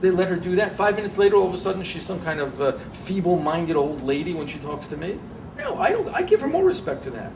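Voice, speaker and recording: A man's voice: sits high, fast, creaky. Middle-aged guy, guest rabbi, emphatic and jumpy, restarts lines a lot, mic a bit far off, noisy. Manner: emphatic, restarts phrases, animated rising peaks. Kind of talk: casual interview talk. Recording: distant mic with background noise.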